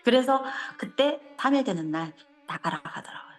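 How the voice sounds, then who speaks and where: A woman's voice: fairly high pitch, a little fast, soft background music. North Korean woman recounting her defection. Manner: animated storytelling, acting out dialogue. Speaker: interviewee. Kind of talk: personal testimony.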